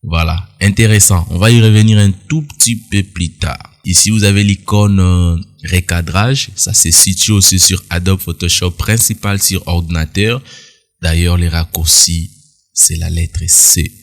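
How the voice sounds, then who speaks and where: With a low voice, fairly even intonation and a measured pace, a man guides viewers through a phone editing app in a casual screen-recorded tutorial. He explains as he goes, speaks to the audience directly, and drops in offhand asides.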